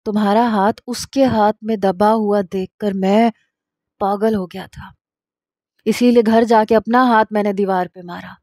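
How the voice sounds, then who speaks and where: A woman's voice: mid-range voice, steady tone, darkish tone, no echo, clean studio sound, natural voice. A woman voicing an obsessive, jealous young man in a storybook reading, speaking in a heated, demanding way. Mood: obsessive, angry.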